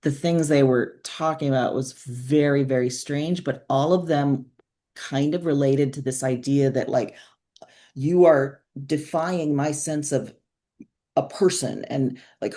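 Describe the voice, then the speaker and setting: A woman's voice: a bass voice, mellow. A woman speaking as an interview guest, an author reflecting informally and candidly in conversation.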